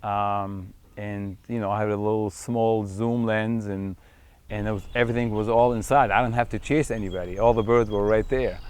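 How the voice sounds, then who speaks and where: A middle-aged man from Syria speaks in a lowish, smooth and clear voice. He talks about his photography unhurriedly and reflectively. He often pauses on fillers and restarts his sentences as he goes. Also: steady tone, darkish tone. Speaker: wildlife photographer. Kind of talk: profile interview.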